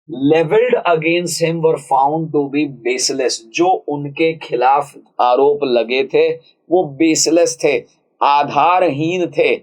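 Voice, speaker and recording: Male tutor, exam-prep grammar lesson, chatty and informal, voice sits a bit high. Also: poor audio. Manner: casual, chatty, calls viewers friends and brother; reads English sentences out slowly, then explains quickly. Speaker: English grammar teacher.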